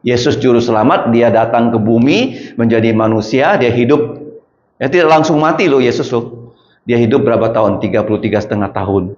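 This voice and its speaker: A man's voice: mid-range voice, a little fast, darkish tone. A man preaching an interactive sermon, firing questions at his listeners, calling on them by name and mixing casual slang with swings in emphasis. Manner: colloquial, rising and falling emphasis. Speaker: preacher teaching a class. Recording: echoey room, dull lo-fi sound.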